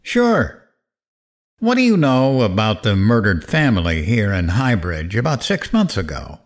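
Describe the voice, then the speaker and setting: Swaggering, sardonic low-voiced radio host. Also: male voice, sing-song, unhurried. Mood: mocking. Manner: sardonic, goading. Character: cocky, vengeful male late-night radio talk-show host. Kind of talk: dramatic first-person narration and radio interview.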